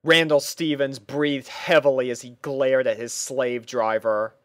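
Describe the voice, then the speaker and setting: A man's voice: medium pitch, steady tone, a little slow, a bit bright, dry recording, studio quality. A man narrating a scripted fan fiction story as a reader.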